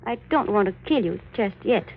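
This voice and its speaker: A woman's voice: medium pitch, animated, fairly quick, gravelly. An actress playing a sinister, commanding supernatural woman, poised and taunting, in 1940s radio horror style. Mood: taunting menace. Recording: noisy old radio recording.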